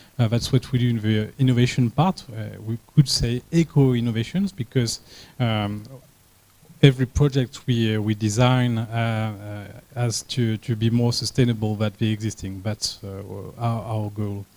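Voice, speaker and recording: This man's speech has a French accent and a medium pitch. His intonation is fairly even, and his pace is moderate. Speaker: design company head and biomimicry teacher. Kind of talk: conference talk. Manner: halting, many hesitations.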